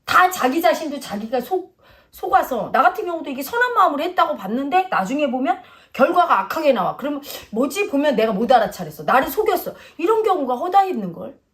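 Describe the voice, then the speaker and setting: High-voiced middle-aged woman preaching about the mind, lively ups and downs, chatty. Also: fast talker. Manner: lecturing, acts out quoted voices, drifts between plain and polite speech. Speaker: spiritual teacher. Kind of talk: casual spiritual talk.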